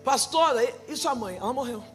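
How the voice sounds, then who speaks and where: A woman pastor preaching a sermon with passion, often swelling into shouts. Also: fairly high pitch, expressive, a little fast, soft background music.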